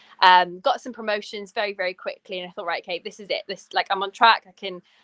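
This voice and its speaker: Dry, close sound with no echo around a woman's medium pitch. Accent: Welsh. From West Wales. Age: 30s. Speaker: business coach and entrepreneur. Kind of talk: podcast interview.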